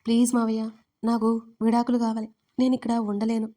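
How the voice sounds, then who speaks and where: A woman's voice: a little high, completely flat delivery, brisk, dark tone, close to an everyday voice. A woman voicing a tearful young wife who pleads through her crying. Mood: pleading.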